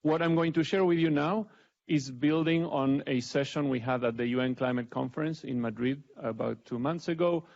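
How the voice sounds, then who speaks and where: A man's voice: mid-range voice, moderate pace, vocal fry, a little mellow. A middle-aged man from Argentina with an Argentine accent, giving a conversational, self-deprecating talk to a panel audience. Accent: Argentine Spanish. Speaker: panel speaker. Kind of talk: public talk with slides. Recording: dull lo-fi event recording.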